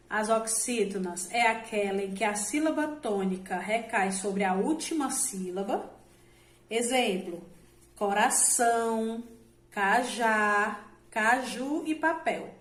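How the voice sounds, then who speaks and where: Woman teacher explaining in an echoey room. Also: a little high. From Brazil. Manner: explanatory, frequent "né?" check-ins and self-corrections; stretches out example words. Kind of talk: recorded online lesson.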